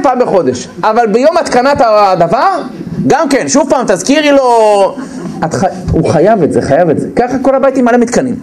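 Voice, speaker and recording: Lively man giving a humorous live lecture. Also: high-pitched, rough recording. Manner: animated, acts out spouses' lines in quick put-on voices; repeats key phrases for emphasis. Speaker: lecturer on marriage. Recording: live audience audible in the background.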